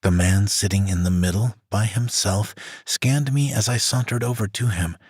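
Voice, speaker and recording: A man reading a romance audiobook aloud in the first person, in an even, scripted narration. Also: on the low side, normal speed, breathy edge, dry recording, studio quality. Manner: reads a woman's first-person story in an even voice.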